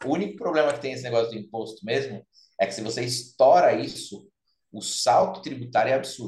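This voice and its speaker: A man talks at a fairly quick pace. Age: 50s. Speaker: entrepreneur and business consultant. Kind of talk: casual interview chat.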